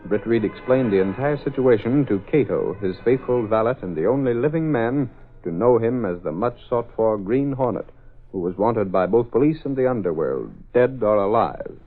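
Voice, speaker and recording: A man narrating as announcer of an old radio drama, steady and formal. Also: fairly low pitch, moderate pace. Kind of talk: scripted narration. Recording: tinny old radio recording with music.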